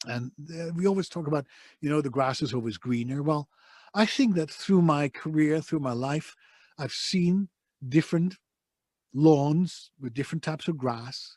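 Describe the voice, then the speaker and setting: With a Dutch accent, a man speaks at a fairly high pitch and a moderate pace. He takes long, frequent pauses, and the sound is dry and close with no echo. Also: ordinary pitch variation. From Netherlands. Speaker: voice actor and coach. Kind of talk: casual interview chat.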